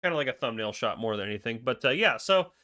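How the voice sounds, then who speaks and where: Fast, raspy man with a cold. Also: mid-range voice, expressive, pushed and bright. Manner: rambling, filler-heavy, thinking aloud. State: fighting a cold. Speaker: gaming video host. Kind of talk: casual commentary over screenshots.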